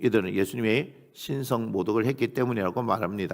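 A man talks at a fairly quick pace and medium pitch in an unremarkable speaking voice. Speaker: pastor. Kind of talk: sermon.

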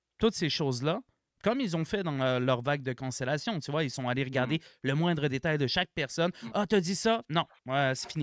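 A man with a Quebec accent talks at a fairly quick pace and fairly high pitch, with ordinary pitch variation. The sound is dry with no echo over a quiet background. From Montreal, Quebec. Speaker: video host interviewer. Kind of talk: casual interview chat. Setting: video call. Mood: calm, friendly. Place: home room. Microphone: studio mic.

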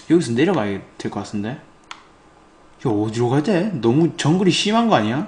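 Loud and animated, a man with a fairly high pitch talks at a fairly quick pace, with very wide pitch swings and long, frequent pauses. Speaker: game streamer. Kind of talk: live gameplay commentary.

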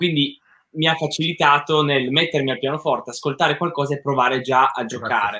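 A man's normal speaking voice, fairly high in pitch, with fairly even intonation and big swings in loudness. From Italy, Turin; Italy. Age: 20s. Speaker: musician and music therapist; guest. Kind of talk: interview conversation. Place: home room. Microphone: webcam.

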